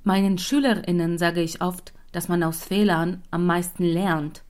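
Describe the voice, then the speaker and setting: A woman's voice: fairly low pitch, measured pace, a little mellow. Dry-voiced woman narrating. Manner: dry, matter-of-fact. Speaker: narrator and German teacher. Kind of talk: scripted radio narration.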